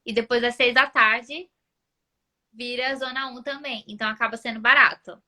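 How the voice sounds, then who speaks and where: High, bright-voiced young woman telling stories. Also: normal speed. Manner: animated storyteller, voice jumps up when retelling. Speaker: guest. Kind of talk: casual chat.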